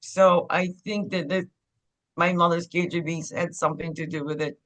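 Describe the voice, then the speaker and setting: A woman speaks as a podcast guest, her voice bright and forward. She tells her story candidly and at an unhurried pace. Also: on the low side, steady tone. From Ukraine. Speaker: guest, clinic owner. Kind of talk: podcast interview.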